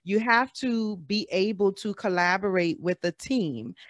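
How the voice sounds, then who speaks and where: A chatty woman hosts a relaxed panel chat over a video call. She talks informally and speaks to her guests as friends. Her voice sits at a middle pitch, and the sound is dry and close with no room echo. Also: a little slow. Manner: chatty, calls listeners "girl" and "y'all". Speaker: panel host. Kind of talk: casual panel discussion.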